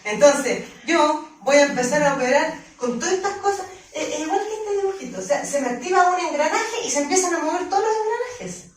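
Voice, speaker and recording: Mujer chilena en una sala con mucho eco. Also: female voice, extremely high pitch, lively intonation, brisk. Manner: conversational, asks the audience "¿ya?" often; acts out quoted inner voices and dialogues. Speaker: speaker giving a talk on limiting beliefs. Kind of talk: motivational talk to an audience. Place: conference hall. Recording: roomy hall from a distant mic, faint noise.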